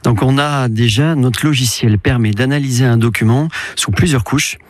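A man being interviewed on radio as a company head, explaining eagerly with quick restarts and repeated words. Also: medium pitch, no room sound. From France. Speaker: company CEO, interview guest.

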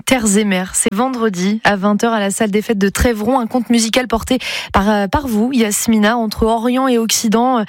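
Brisk woman radio host, dry studio sound. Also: fairly high pitch, fairly even intonation, no echo. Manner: brisk, announcer-like. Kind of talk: radio show presenting. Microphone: studio microphone.

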